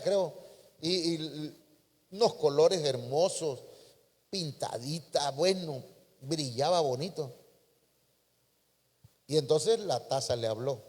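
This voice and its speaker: A man preaching a folksy sermon, calling listeners brother. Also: fairly high pitch. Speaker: pastor. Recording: long hall reverb.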